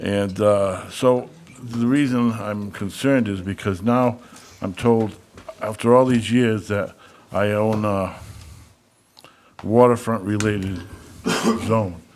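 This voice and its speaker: Over noticeable background noise, a man with a fairly low pitch speaks very slowly with fairly even intonation and long, frequent pauses. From Rhode Island. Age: 70s. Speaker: resident speaking at public comment. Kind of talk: public comment at town council meeting.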